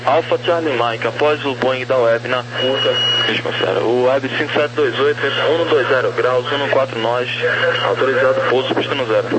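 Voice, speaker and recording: A man's voice: mid-range voice, steady tone, moderate pace. Male tower controller on noisy radio. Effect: aviation radio. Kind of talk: radio clearances to aircraft. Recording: noisy radio channel with hum.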